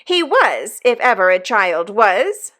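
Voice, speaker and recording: A woman voicing a severe, sharp-tongued older sister who speaks emphatically. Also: high voice, huge pitch swings, moderate pace, pitched above the performer's own voice.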